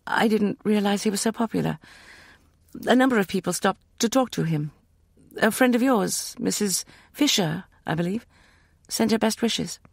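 A man voicing a shy, earnest young woman who speaks softly and hesitantly in an audiobook. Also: high voice, moderate pace, gravelly, dry recording, clean studio sound, voice pushed up. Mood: polite.

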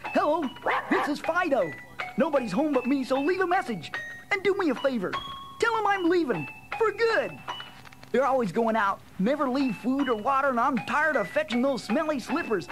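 A man's voice: very high voice, very animated, moderate pace, music in the background. A man voicing a disgruntled talking pet dog, grumbling and put-upon, in a comic answering machine skit. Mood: fed up.

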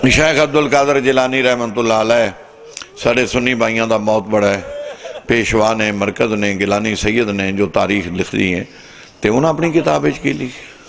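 A zakir preacher from Pakistan delivers an impassioned majlis sermon to mourners seated in a large tent, his voice swinging between dramatic rises and sudden drops. He speaks a little fast with a fairly low, fairly bright voice and some vocal fry, and the gathered mourners can be heard around him.

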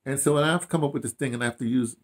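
An older American man talks off the cuff in a medium-pitched voice. He tells his story in a loose, rambling way, restarting phrases and repeating words for emphasis. The style is casual and reflective, like an interview at home. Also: fast. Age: 60s or older. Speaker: audio dramatist being interviewed. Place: small room at home, indoors.

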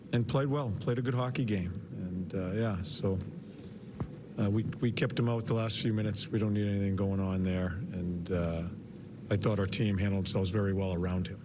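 An older man in his sixties, head coach at a postgame press conference, talks in a fairly low voice, stumbling and repeating words between fillers. He is picked up by a podium mic in an arena press room. A steady hiss of background noise runs under the broadcast feed. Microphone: podium mic, medium camera shot.

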